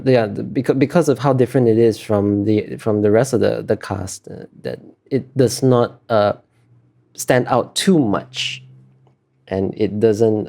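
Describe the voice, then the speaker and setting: Being interviewed about his art, this man speaks in a mellow, creaky, lowish voice. His manner is casual and reflective, with explanations that trail off as he works them out.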